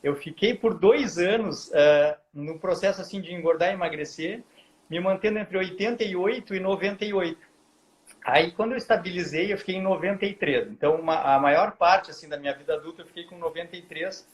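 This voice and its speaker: A surgeon, speaking as a guest on a casual live-stream interview, explaining at length with frequent restarts. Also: male voice, sits high, a little fast, poor audio. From southern Brazil.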